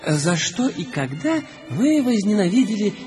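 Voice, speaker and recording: A woman's voice: medium pitch, very animated, measured pace, warm tone, soft background music. An actress playing a polite, slightly flustered woman psychiatrist in a radio drama, formal and questioning. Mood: calm, probing.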